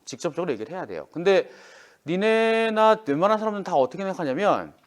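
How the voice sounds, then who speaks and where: A man's voice: high-pitched, fast. A man teaching a classroom lesson, speaking informally to students and acting out quoted lines. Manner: lively, acts out quoted lines. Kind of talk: classroom lecture.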